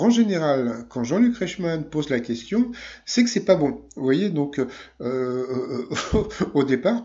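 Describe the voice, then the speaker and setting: A man's voice: fairly high pitch, dark tone, highs cut off. A man giving casual commentary on a TV quiz show, rambling and hesitant with many fillers and a teasing tone.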